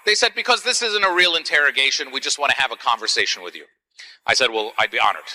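A man from Palestine hosting a live event, telling a stand-up story in an animated, wry, punchy way. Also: quick pace. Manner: animated, wry, punchy delivery with swings in pitch. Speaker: comedian and event host. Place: large church hall. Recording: live hall with long reverb.

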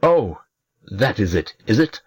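A man voicing a tiny, lively male imp who teases and mocks, with a husky voice. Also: fairly low pitch, measured pace. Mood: mocking. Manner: teasing, mocking.

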